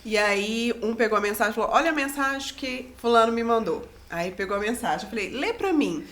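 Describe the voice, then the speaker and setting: Lady host, slightly high voice, chatty storyteller vibe. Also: fast, fairly bright tone. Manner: conversational, telling anecdotes. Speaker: podcast host. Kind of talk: casual podcast interview.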